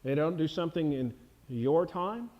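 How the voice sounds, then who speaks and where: A pastor delivers a sermon with real conviction, his voice sitting high for a man. He presses his points hard and turns to the congregation with questions. It sounds like a church sanctuary. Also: lively intonation, moderate pace, dull audio. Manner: earnest, emphatic preaching with rhetorical questions to the congregation.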